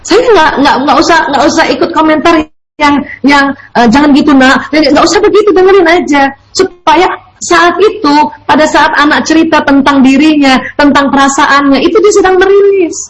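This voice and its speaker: Middle-aged woman, religious parenting speaker, high and lively, animated storyteller. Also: normal speed, rough recording. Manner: animated, acts out parent and child dialogue. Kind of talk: religious talk answering a question.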